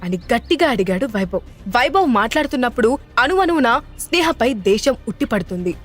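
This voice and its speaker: A woman narrating a scripted audio story in a steady, expressive way. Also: fairly high pitch, quick pace. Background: faint music.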